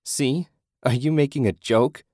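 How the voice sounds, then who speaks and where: A man's voice: unhurried, darkish tone, no room sound, studio quality, lightly acted. A man voicing a skinny, petty underground man who whines and clings to what he owns. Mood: whiny. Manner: whiny, high and defensive.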